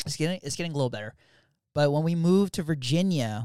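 A dark, mellow tone comes through with an American accent. The sound is dry and close with no echo, on a very clean recording with a silent background. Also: man. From US, South Philadelphia. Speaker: podcast co-host. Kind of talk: casual chat.

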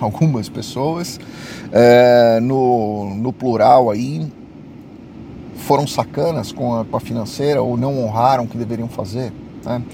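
A man at medium pitch with ordinary pitch variation, speaking at a very slow pace over noticeable background noise. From Brazil. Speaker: immigration lawyer. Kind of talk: vlog monologue. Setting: just outside a car dealership. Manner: halting, repetitive.

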